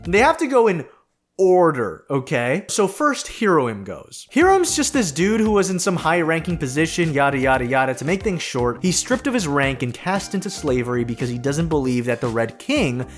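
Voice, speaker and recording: Animated, jokey man recapping a movie. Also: on the high side, moderate pace, few pauses, faint music behind. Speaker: host. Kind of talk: comedic movie recap commentary.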